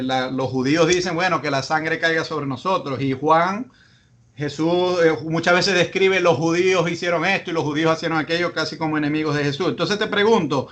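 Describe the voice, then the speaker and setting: A man hosting an interview, asking long, measured, thoughtful questions. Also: a little high, a bit bright. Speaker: host interviewer.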